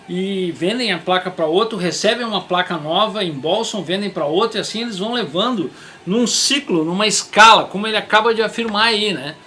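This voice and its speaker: A man's voice: sits high, bright, forceful tone, a little hiss or hum. A man, the channel host, wrapping up the video for viewers with crude jokes.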